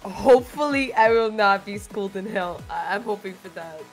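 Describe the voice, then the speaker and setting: A woman's voice: medium pitch, animated, normal speed. A woman playing a quiz game in English, which is not her first language, giggly and self-conscious. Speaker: quiz contestant. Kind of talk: casual game chat. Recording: music playing behind.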